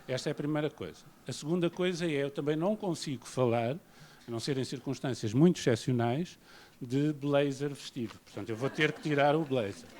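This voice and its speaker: Portuguese-accented man, mellow academic lecturer. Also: mid-range voice, a little hiss or hum. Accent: European Portuguese. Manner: measured, self-deprecating, paces around while speaking. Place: lecture hall.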